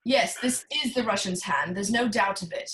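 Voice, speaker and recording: A woman's voice: medium pitch, normal speed, a bit bright, natural voice, low-quality recording. A woman playing a genteel, scheming male crime boss with pompous, formal, theatrical speech in a noir radio play. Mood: resolute.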